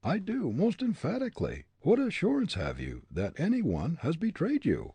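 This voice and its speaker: A man playing a defiant young prisoner, pitched high. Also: wildly swooping pitch, moderate pace, gravelly, warm tone, slightly rough, no echo, heavily acted. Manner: proud, scornful.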